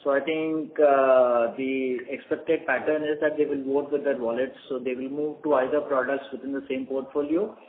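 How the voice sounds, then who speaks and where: Echoey halting man on conference line. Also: medium pitch, flat delivery, phone-quality sound. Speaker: company executive. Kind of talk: answering questions on an earnings call. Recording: echoey, noisy, band-limited conference line.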